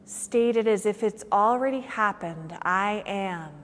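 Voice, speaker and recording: Female yoga instructor for guided relaxation, slow-paced with long pauses, heard in a long, hall-like reverb. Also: medium pitch. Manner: unhurried phrasing with long pauses. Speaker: yoga teacher. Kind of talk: guided meditation.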